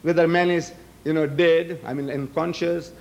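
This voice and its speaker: An older man, a native Gujarati speaker, argues emphatically from a podium in a large hall, hurling rhetorical questions at the audience during a public debate speech. His voice is a little high with fairly even intonation, a moderate pace, and vocal fry, picked up by podium microphones.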